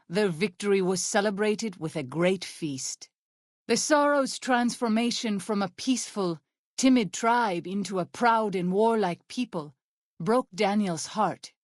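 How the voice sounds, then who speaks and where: A gentle tribal healer from a video game, acted by a woman, with a mid-pitched voice. She speaks earnestly in careful, formal phrases free of slang. The recording is close and dry, like studio game dialogue. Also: dry recording, lightly acted. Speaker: video game companion character and ending narrator. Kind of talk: scripted video game voice acting. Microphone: close studio microphone, dry.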